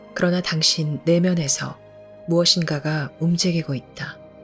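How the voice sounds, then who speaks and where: A woman's fairly low voice at a fairly slow pace, fairly even in intonation, with music in the background. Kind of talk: audiobook reading for sleep.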